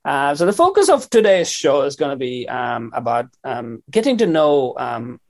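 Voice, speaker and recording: A man's voice: medium pitch, big pitch swings, moderate pace, darkish tone. A man hosting a community radio interview, friendly and rambling with many fillers. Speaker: radio host.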